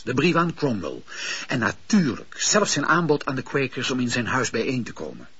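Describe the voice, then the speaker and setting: Husky-voiced male radio-play narrator. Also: mid-range voice, fairly bright tone. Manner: measured, intimate storytelling. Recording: dull lo-fi radio recording.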